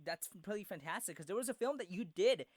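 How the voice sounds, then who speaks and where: An interviewer asking questions in an eager, halting way with many fillers. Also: mid-range voice, lively intonation, no echo, studio quality.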